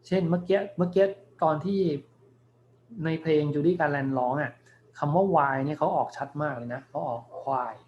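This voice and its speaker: A male university lecturer giving a recorded class, explaining patiently and reading English words slowly for his students. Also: a little high, a little mellow, highs cut off, a little hiss or hum. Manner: explains patiently, thinking aloud with many polite particles.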